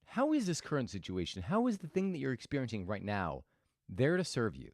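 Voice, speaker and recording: Lively reflective male motivational speaker. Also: medium pitch, fairly quick, no room sound, clean studio sound. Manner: thoughtful, storytelling, with restarts. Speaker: host.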